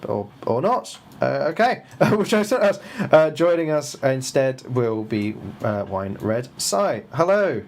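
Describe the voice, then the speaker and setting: A man's voice: mid-range voice, very animated, a little slow, hardly any pauses. A man hosting a casual live election stream, rambling through results with fillers and restarts.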